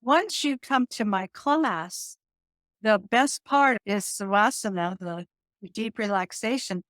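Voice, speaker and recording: A middle-aged woman, a yoga teacher and hypnotist, talking animatedly in an interview, often laughing and restarting her sentences, with a calming voice. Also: mid-range voice, slow, no room sound, clean studio sound. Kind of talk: conversational interview.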